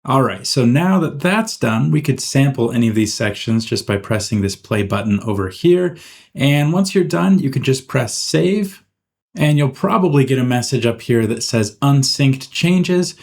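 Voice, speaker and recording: A man narrating a software tutorial in an informal, step-by-step way, as the host. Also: mid-range voice. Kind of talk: casual screen-recorded software tutorial narration.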